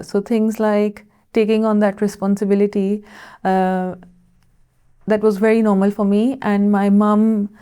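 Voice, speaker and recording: A woman born in Kenya and raised in Pakistan, speaking in a measured, reflective way in casual conversation. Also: mid-range voice, warm tone, smooth.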